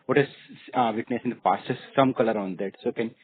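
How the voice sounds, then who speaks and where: A man's voice: mid-range voice, fast talker. An Indian man, an analyst, asking questions in a conversational way on an earnings call. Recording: narrow radio-like phone line.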